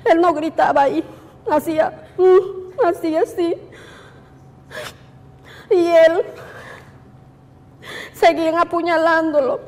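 A woman with a very high, thin voice gives testimony at a public hearing. She speaks in a halting, grief-laden way. Her words ring out with a long reverb from a large hall. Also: a little mellow. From Peru. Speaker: witness giving testimony.

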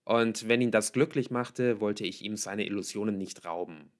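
Low-voiced male audiobook reader. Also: moderate pace. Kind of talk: scripted narration of a novel.

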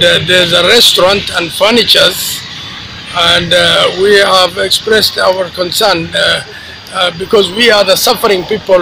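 A middle-aged man, a tenant, giving a halting, emphatic statement to reporters outdoors on a city street. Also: sits high, creaky. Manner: halting, many fillers, grows emphatic. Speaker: tenant speaking to press. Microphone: handheld reporter mics close. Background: traffic and street ambience.

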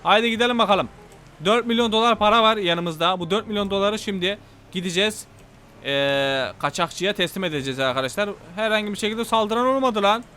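A young man hosting a gaming channel, narrating his gameplay in an excitable, slangy way, shouting and repeating himself. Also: high-pitched, clean tone. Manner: casual slangy banter with teammates. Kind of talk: gameplay commentary.

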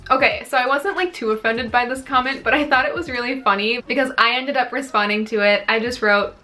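Bright-voiced young woman, sarcastic video blogger. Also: a little high, a little fast. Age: 20s. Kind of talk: casual chat, reading comments aloud and reacting. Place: small bedroom, indoors.

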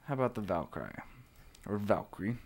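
A man with a fairly low voice presents a software tutorial. He talks casually and informally, walking through each step as he goes. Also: very animated, a little fast, vocal fry, breathy edge.

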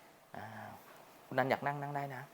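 Male dog trainer, brisk explanatory lesson, fast delivery, mid pitch. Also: fairly even intonation, fairly bright tone.

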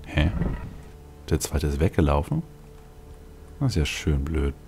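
Dude doing a casual lets play, super deep gravelly voice, mumbling thoughts to himself, faint music behind. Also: male voice, sing-song, measured pace, darkish tone. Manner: musing aloud to himself. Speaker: let's play host. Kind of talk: casual gameplay commentary.

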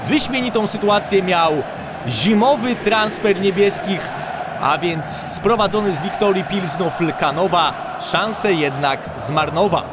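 A man narrating football match highlights as commentator, calm between chances and shouting when shots come. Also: a little slow. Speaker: sports commentator. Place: voice-over over stadium crowd sound. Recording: loud crowd and field noise underneath. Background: stadium crowd and noise.

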